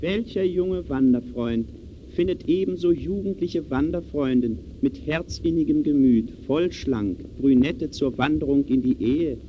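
Actor as a highish-voiced earnest lonely-hearts advertiser. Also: male voice, a little slow, lightly acted. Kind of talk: 1920s German radio play acting. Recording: dull, faintly noisy old radio recording.

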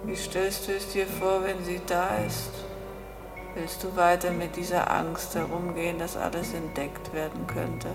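Chilly commanding woman, unhurried pace, lowish pitch, insistent imperatives, crime radio play. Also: flat delivery, creaky, big-room sound, music in the background. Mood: quietly insistent. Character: cold, commanding, goading woman accomplice.

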